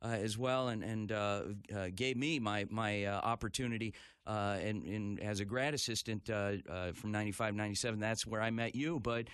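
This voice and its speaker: A man's voice: fairly low pitch, steady tone, normal speed, fairly bright tone, clean tone, no room sound, studio quality. A middle-aged man hosting a sports radio talk show, chatty and enthusiastic, with a rambling way of talking.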